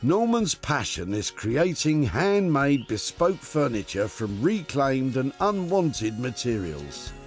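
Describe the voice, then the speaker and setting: A man's voice: medium pitch, very animated, slow pace, few pauses, soft background music. A man narrating a TV show in a playful, teasing scripted voice-over.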